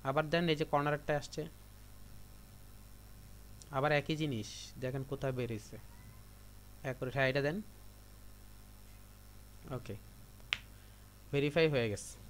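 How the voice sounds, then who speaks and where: A man's voice: medium pitch, steady tone, unhurried, pauses often, a little hiss or hum. A man from Bangladesh teaching a computer class, giving repetitive step-by-step instructions to his students. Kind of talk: live classroom tutorial.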